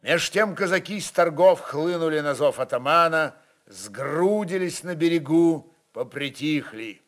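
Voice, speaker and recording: A male narrator delivers literary prose in a dramatic storytelling style. His voice sits a little high for a man, and he takes his time, reading very slowly. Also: fairly bright tone.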